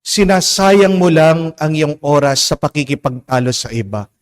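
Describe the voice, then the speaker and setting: A man with a Filipino accent preaching a Catholic homily, slow and emphatic, stretching out words and asking rhetorical questions. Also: on the high side, expressive. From Philippines. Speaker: Catholic priest. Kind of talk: homily mixing Tagalog and English. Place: church. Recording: long church reverb.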